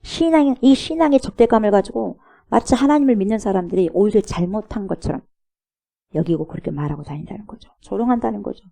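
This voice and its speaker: A woman's voice: mid-range voice, expressive, fast talker, creaky, mellow. A middle-aged woman pastor preaching a sermon emphatically, firing rhetorical questions and mocking the scoffers she imitates.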